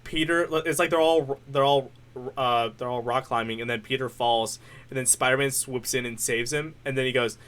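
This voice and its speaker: A young man co-hosting a podcast, chatting excitedly with stammers and laughter. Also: mid-range voice, moderate pace, clear, resonant tone. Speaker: podcast co-host. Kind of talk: casual chat with cartoon impressions.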